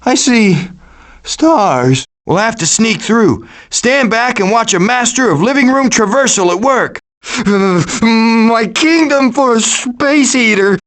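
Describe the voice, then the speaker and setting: A man's voice: very high voice, expressive, slow pace, a bit bright, heavily acted. A man voicing a cocky, wisecracking raccoon schemer in a video game, with a glib, sarcastic delivery. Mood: cocky, wry. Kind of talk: animated video game voice acting.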